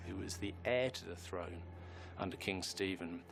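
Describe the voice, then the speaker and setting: A man's voice: deep voice, normal speed, vocal fry. A man explaining history emphatically, as a commentator interviewed for a documentary. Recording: loud music bed behind voice.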